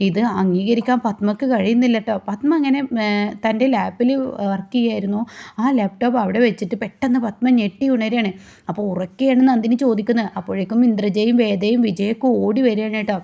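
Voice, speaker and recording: A woman's voice: mid-range voice, fast talker, gravelly, warm tone. A woman retelling a story in a chatty, casual way, tagging her lines with a friendly "you know". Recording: dull lo-fi recording.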